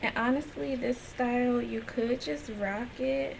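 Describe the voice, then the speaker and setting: A woman talks fairly slowly with lively intonation, and noticeable noise is present in the background. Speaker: natural hair stylist. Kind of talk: hair tutorial talk to camera. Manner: low-energy, subdued.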